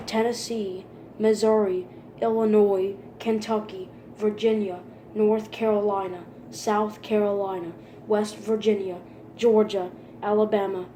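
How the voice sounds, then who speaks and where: A woman delivers a formal emergency broadcast announcement. Her voice is dark and mellow, with very little movement in pitch and an impersonal delivery. The recording has a roomy echo. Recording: roomy echo with faint background noise.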